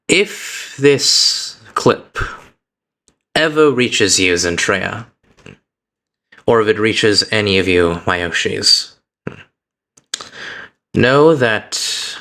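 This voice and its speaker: Earnest low-voiced man, bright tone. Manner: earnest, reflective, uneven pace with halting restarts. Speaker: VTuber streamer. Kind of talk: heartfelt personal speech to stream chat.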